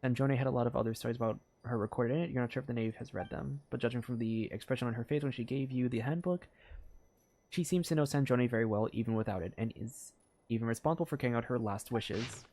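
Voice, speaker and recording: A man streaming a game, reacting excitedly and reading game text aloud in casual commentary. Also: mid-range voice, fast talker. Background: faint game music.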